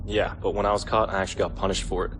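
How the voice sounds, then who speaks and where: A man's voice: low-pitched, level tone, very fast, a bit bright, slight background noise. A man playing a level-headed young cadet in a video game cutscene, speaking in a dry, cautioning way. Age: young adult.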